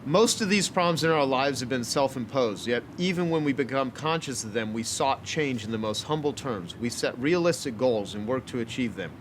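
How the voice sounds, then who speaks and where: Male reader, average pitch, formal motivational script, faint outdoor traffic rumble. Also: expressive, moderate pace, few pauses.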